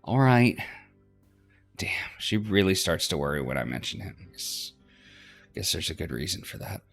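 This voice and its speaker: Very low-voiced man reading game narration. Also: expressive, normal speed, gravelly, fairly bright tone, breathy edge, faint music behind. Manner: stumbles over words and repeats lines. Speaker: let's play host reading a visual novel aloud.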